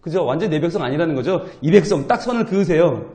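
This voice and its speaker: A male pastor preaching at an early-morning church service, talking in a lively, colloquial way and playfully acting out scripture dialogue. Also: fairly high pitch, fast. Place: church sanctuary. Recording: roomy church echo.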